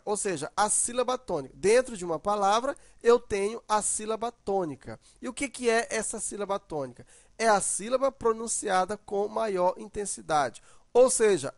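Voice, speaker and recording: A man's voice: sits high, dry recording, clean studio sound. A man, teaching a recorded grammar lesson and patiently stretching out example words to show how they sound. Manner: explains patiently, drawls out example words to demonstrate; tag questions sprinkled through.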